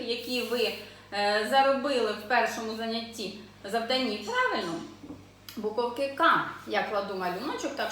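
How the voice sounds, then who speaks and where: A woman teaching young children to read, sounding out syllables slowly and asking the class questions in a sing-song way. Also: a little high, pushed and bright. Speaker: preschool teacher. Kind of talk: children's literacy lesson. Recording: echoey room, voice from a distance.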